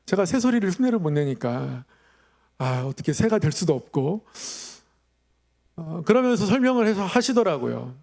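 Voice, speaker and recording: Male preacher, middle-aged, high voice, gravelly creak, measured sermon delivery, polite explanatory phrasing. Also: darkish tone. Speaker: pastor. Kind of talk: Friday evening sermon.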